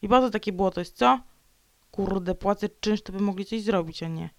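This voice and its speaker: A woman's voice: mid-range voice, normal speed, no room sound. A woman vlogger talking alone in a sulky, ranting way, slipping into whispered mutters and playful growls. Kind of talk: grumbling solo monologue.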